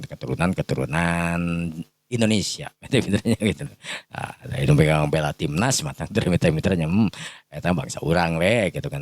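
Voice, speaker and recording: A man's voice: extremely low pitch, dry recording. A man with a Sundanese accent telling a folk tale informally, rambling and repeating himself as he addresses his listeners. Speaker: storyteller.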